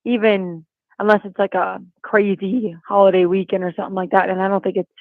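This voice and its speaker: A woman's voice: mid-range voice, little pitch movement, fairly quick, dry recording. Woman on a tinny speakerphone. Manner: easygoing, laughs often. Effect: phone on speaker. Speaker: guest on the phone. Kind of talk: casual chat. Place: rural home near the mountains. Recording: tinny speakerphone line with a bad signal.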